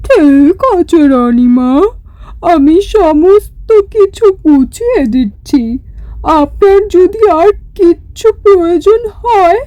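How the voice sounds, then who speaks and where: Woman as a high-pitched, eager palace maidservant. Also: expressive, slow, dark tone, no room sound, full character voice, low-quality recording. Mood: eager, obedient. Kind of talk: cartoon fairy-tale acting.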